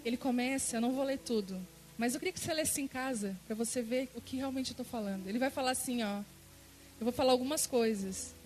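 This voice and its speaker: A woman's voice: on the high side, fast talker, a little mellow, soft background music, poor audio. A woman pastor from Brazil preaching a sermon in church, emotive, repeating words for emphasis and acting out her own prayers. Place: church service.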